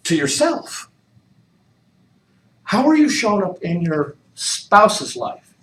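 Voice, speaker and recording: Slow, animated man coaching a room. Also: high-pitched. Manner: coaching with repeated questions. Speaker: real estate trainer. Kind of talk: training session talk. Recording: echoey room, mic far off.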